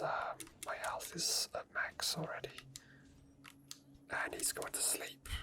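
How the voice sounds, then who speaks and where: A person whispering soft, breathy ASMR commentary over video gameplay, explaining each step as it is done. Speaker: video game streamer.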